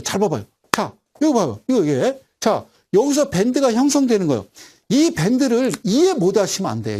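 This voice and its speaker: A man teaching stock charts in a recorded online lecture, his pitch swinging widely as he talks. He keeps repeating his points and asking viewers whether they follow. His voice has a mellow, darker tone. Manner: repetitive teaching, constant check-ins with viewers.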